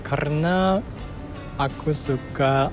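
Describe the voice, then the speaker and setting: A man's voice: mid-range voice, level tone, slow pace. Japanese man chatting in foreigner's Indonesian. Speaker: interviewee, content creator. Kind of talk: casual anecdotes in Indonesian as a foreign speaker. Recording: loud music behind.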